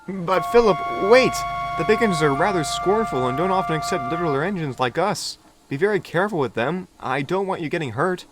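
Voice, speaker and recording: A man's voice: a little high, expressive, brisk, few pauses, voice pushed up, lightly acted. A man voicing a kindly, caring young male tank engine. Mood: concerned. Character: friendly small male blue tank engine. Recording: music playing behind.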